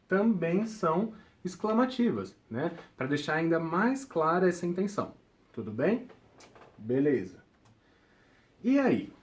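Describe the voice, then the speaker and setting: A young man walks students through a grammar lesson. His voice sits somewhat high for a man, and he checks in with the class after nearly every point. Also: darkish tone. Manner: ends points with check-in tags like "tudo bem?". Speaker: teacher.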